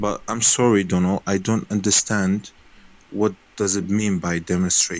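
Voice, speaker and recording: Monotone, flat intonation from a man with a fairly low pitch and a non-native accent. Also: moderate pace. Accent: foreign. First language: not English. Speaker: caller. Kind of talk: debate. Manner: halting.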